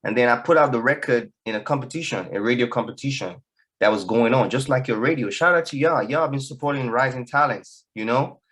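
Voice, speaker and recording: A young man with a Nigerian accent, a musician guest speaking in a relaxed, loose way in a radio studio. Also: medium pitch, fairly quick, husky. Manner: relaxed, loose talk full of "you know". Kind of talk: radio interview.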